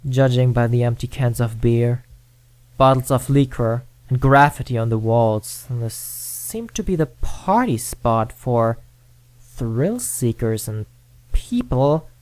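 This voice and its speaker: A man voicing a timid young man who stammers and blames himself, then slowly tells a ghost story in an amateur audio drama. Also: mid-range voice, lively intonation, darkish tone, no echo. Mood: storytelling. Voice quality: hesitant, stammering.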